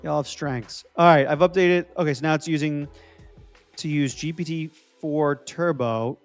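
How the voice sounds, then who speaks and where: Young guy from jersey streaming live, talks through his coding and chats with viewers, kinda high voice, faint music underneath. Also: moderate pace. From New Jersey. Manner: thinking aloud while coding, answering viewer chat. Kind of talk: casual live-stream chat.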